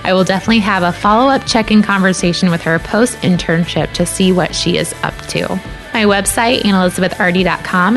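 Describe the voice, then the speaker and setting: An encouraging woman hosts a podcast conversation and then closes the episode. Her voice sits at a middle pitch, and faint music plays quietly behind her. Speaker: podcast host, dietitian. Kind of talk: interview and show outro.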